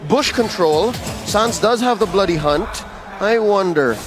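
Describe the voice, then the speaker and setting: A man's high voice rides over game music. He gives live esports colour commentary, conversational in delivery, with wry turns of phrase. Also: lively intonation, measured pace.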